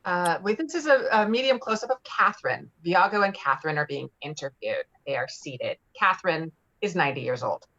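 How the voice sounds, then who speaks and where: A woman reading screenplay directions at a table read in a plain, halting way. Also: on the low side, expressive, fairly bright tone. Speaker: stage directions reader. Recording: slightly dull, lo-fi audio.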